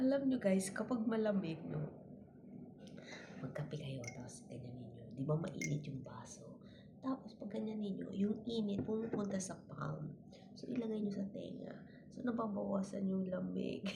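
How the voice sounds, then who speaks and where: Amid noticeable background noise and audible room echo, a woman at a medium pitch speaks at a moderate pace with very wide pitch swings. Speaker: vlogger. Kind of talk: casual vlog talk.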